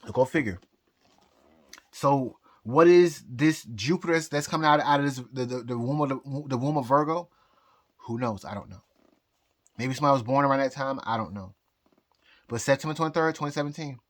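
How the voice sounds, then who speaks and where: Tipsy, halting man on a rambling rant. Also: mid-range voice. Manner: emphatic, defiant talk of fate and God. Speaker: astrologer. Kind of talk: rambling personal rant to camera.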